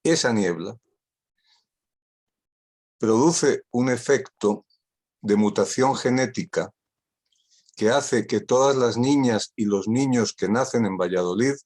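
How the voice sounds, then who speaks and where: Taking it slowly and pausing often, this guest speaker has a mid-range, slightly mellow voice. He is an older man from Spain, a native Catalan speaker, delivering an online talk over a video call with ironic wit and repeated key phrases for emphasis.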